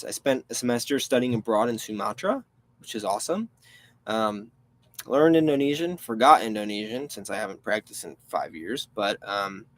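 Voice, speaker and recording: No echo is heard as a medium-pitched man in his twenties, a reseller hosting a live stream, chats casually. He rambles, reads chat questions aloud, and grumbles in frustration about a website that keeps going down.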